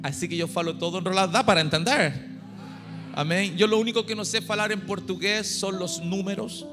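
A middle-aged man from Chile with a Chilean Spanish accent, preaching a humorous sermon into a handheld mic on a church stage and urging the crowd to shout. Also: sits high, fairly quick. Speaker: guest pastor. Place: large dark church stage. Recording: long hall reverb with music behind.

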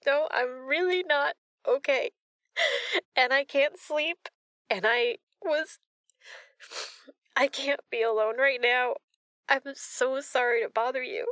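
Girl acting a upset woman crying late at night, soft n apologetic, really slow, higher voice, audio roleplay. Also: dry recording, clean studio sound. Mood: tearful, pleading. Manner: halting, apologetic, soft-spoken. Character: distraught, apologetic woman seeking comfort at night.

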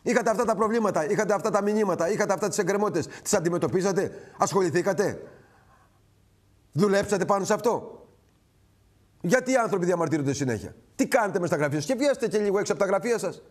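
Brief: middle-aged male host, fairly high voice, indignant rhetorical monologue, piles up lists and direct appeals. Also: lively intonation. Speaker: TV current-affairs host. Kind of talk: impassioned political commentary monologue.

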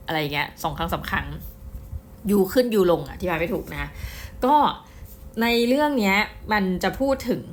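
A middle-aged woman giving a casual book review, chatty and excitable, often speaking straight to her viewers. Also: lowish voice, a little hiss or hum. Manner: chatty, addresses viewers directly, excitable storytelling.

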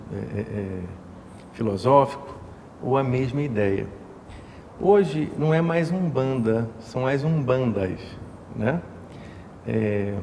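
Gravelly, mellow-voiced man from Rio. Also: medium pitch. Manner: thoughtful, many fillers and tag questions. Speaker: umbanda house leader, guest. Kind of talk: explanatory interview talk. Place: indoor temple room with altar. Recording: echoey room with faint hiss.

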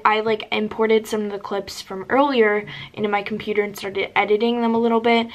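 A young adult woman talking casually to camera in a vlog, chatty and upbeat with lots of fillers. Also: mid-range voice. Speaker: vlogger.

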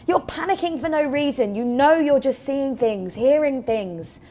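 A woman's voice: high-pitched, animated, measured pace, mellow. A woman acting in an audio drama as a brittle, controlling, moth-obsessed scientist, speaking in a fussy, repetitive, coaxing way. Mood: insistent reassurance.

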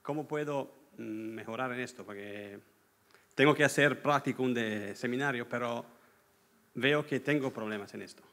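An Italian-accented young man, Italian by birth, puts his question haltingly, stopping often on fillers. His voice sits at an ordinary middle pitch, and he speaks from the audience of a church. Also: sharp tone. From Italy. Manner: hesitant, halting, with frequent fillers. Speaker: seminary student asking a question.

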